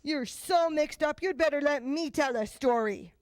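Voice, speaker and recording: A woman's voice: high-pitched, moderate pace, dry recording, close to an everyday voice. A woman voicing a bossy, exasperated childish puppet who corrects others in a children's puppet show, emphatic and insistent.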